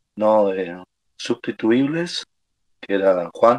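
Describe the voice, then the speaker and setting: With an Argentine accent, a man speaks at a fairly low pitch with ordinary pitch variation, recorded with a dry, close sound and no echo. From Chaco, Argentina (Qom community). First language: Qom (speaking Spanish). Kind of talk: panel talk. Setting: book fair panel. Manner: halting, many fillers.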